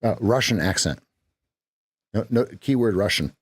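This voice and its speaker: A man's voice: fairly low pitch, animated, moderate pace, slightly rough, no room sound. Chatty man hosting a trading stream. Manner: chatty, repeats phrases, talks to chat. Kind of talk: live trading commentary.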